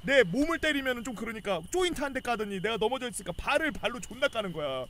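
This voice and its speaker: A young man casually telling a rowdy army story, swearing a lot and shouting out the officers' lines. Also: very high voice, fast talker, a little hiss or hum. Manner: animated, swearing, acts out yelling officers.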